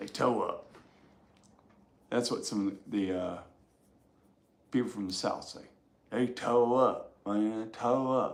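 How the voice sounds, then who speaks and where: A man with an American accent at a very slow pace, with long, frequent pauses, big swings in loudness and audible room echo. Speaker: guitar shop owner and streamer. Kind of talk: live stream chat. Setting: live stream. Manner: casual, rambling with fillers.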